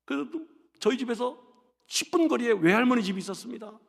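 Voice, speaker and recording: Male pastor, sermon; high, gravelly delivery, storyteller who slips into character voices; church hall reverb. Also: animated, quick pace. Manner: storytelling, acts out family voices, builds to shouted exhortation. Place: church sanctuary.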